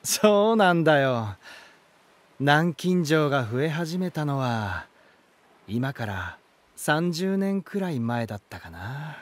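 An elegant male lighthouse spirit from a voice drama. He speaks in a slightly high register at a slow, savouring pace. His manner is genial and theatrical, that of a storyteller addressing a guest. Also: very animated. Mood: wistful. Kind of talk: Japanese voice drama acting.

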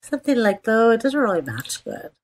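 With background noise behind her, a woman hosting a gaming video speaks fairly quickly and very animatedly in a voice a little on the high side. She sounds congested and nasal, and her voice-over for the screen-recorded game is casual and playful, full of self-chatter and repeated phrases.

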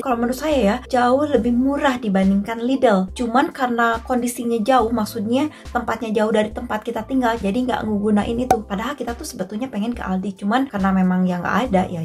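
Chatty Indonesian woman vlogging at home. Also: a little high. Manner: chatty, friendly, addresses viewers directly. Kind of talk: casual vlog talk to camera. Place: living room at home, indoors.

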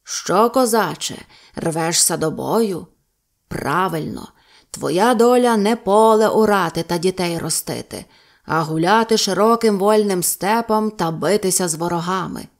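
Old male Cossack sage, read by a woman: solemn, slow, prophetic storybook voice. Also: fairly low pitch. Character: wise old male Cossack mystic, calm.

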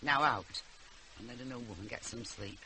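A woman's voice: very deep voice, normal speed, sharp tone, slight background noise, poor audio. An actress playing a blunt, teasing old grandmother in a radio drama. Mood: gruff, teasing. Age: older. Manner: blunt, dryly scolding.

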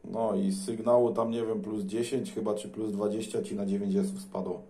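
A man's voice: lowish voice, level tone, normal speed, mellow, slight background noise. A man making casual, teasing and blunt small talk as a CB radio operator, in colloquial language.

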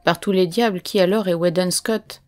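A woman reading the part of a rough, brash man who asks blunt questions. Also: fairly low pitch, fairly even intonation, normal speed, a little mellow, faint music behind, lightly acted.

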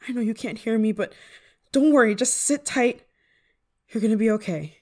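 A woman's voice: fairly high pitch, normal speed, warm tone, close to an everyday voice. A woman playing a flustered, affectionate novice witch in an ASMR roleplay, speaking in a hesitant, fretful way. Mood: reassuring. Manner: hesitant, stammering, fretful, sighing. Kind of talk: ASMR roleplay monologue to the listener.

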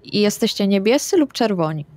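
A woman's voice: medium pitch, big pitch swings, brisk, a little mellow. A woman playing a tabletop roleplaying game, talking casually in character, matter-of-fact and offhand. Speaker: tabletop RPG player.

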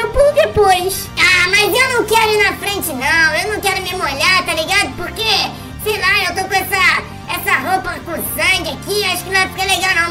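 A woman's voice: very high-pitched, poor audio. A woman voicing a whiny, defensive, bickering cartoon villain in an improvised gaming skit. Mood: taunting, bickering. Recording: loud music behind the voice.

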